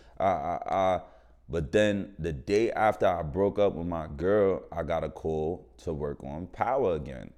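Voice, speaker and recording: Against a quiet background, a man with a New York accent speaks at a very deep, low pitch with ordinary pitch variation and a fairly slow pace. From Jamaica, Queens, New York. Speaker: actor. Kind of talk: casual chat. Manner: animated.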